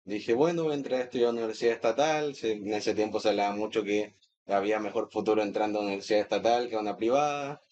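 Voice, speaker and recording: Chilean guy in his 30s, low voice, chatting in an interview, sound a bit dull. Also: steady tone, fast talker, a little mellow, slight background noise. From Chile, grew up in Santiago. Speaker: guest, sommelier. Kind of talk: casual interview conversation.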